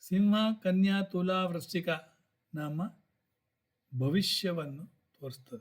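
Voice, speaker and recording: This man talks at a high pitch for a man, his pitch varying in an ordinary way. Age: 70s. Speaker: astrologer. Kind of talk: tutorial. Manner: halting.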